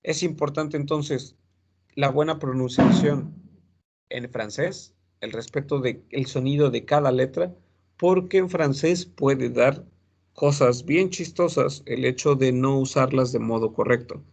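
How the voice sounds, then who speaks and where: A man teaching French pronunciation to Spanish speakers, slowly and patiently repeating each sound for his students. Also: medium pitch, gravelly, darkish tone. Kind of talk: recorded class lesson.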